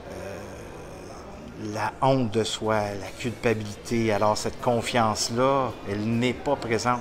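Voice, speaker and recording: With noticeable background noise and audible room echo, a man of medium pitch speaks at a very slow pace in a Quebec accent with monotone, flat intonation. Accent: Québécois French. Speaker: motivational speaker. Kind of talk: interview testimony. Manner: loud.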